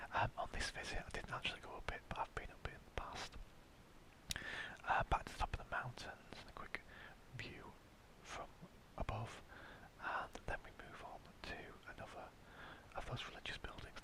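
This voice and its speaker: Someone whispers at a moderate pace with long, frequent pauses. Noticeable background noise can be heard. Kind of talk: ASMR travel voiceover. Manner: whispered.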